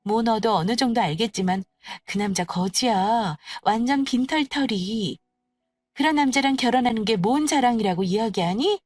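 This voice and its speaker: A woman voicing a snobbish, sneering young woman in an audio story, talking in a condescending, mocking, drawn-out way. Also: a little high, no echo, faint music behind, close to an everyday voice. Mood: mocking, disdainful. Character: snobbish, sneering young woman who belittles her friends. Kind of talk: acted dialogue in an audio story.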